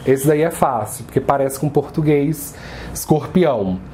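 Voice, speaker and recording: Brazilian man as a patient teacher, slow mellow voice, careful pronunciation drills. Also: mid-range voice, a little hiss or hum. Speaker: astrology teacher. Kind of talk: introductory lesson.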